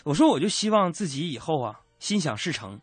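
A man's voice: on the high side, big pitch swings, brisk, slightly rough, dry recording, soft background music. A male radio host, telling jokes in a comic monologue from a studio and laughing at his own punchlines.

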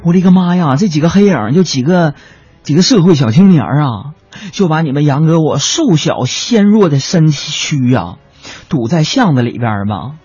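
A man telling a comic story, chatty and animated, talking to his listeners as friends. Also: a little high, normal speed, husky, soft background music. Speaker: comedian. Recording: dry lo-fi recording.

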